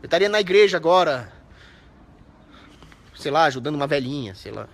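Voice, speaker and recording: A man's voice: a little high, sing-song, fairly quick, vocal fry. A young Brazilian man hosting a live stream, reading viewer comments between indignant, profane rants. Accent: Brazilian Portuguese. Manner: shouts out viewers' names. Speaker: livestream host.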